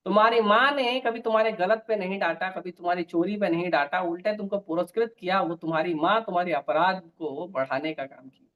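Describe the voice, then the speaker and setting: A man's voice: sits high, fairly even intonation, a little fast, few pauses, fairly bright tone. A man playing a stern male judge who firmly lectures a convicted thief. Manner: firm, lecturing. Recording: dull lo-fi recording.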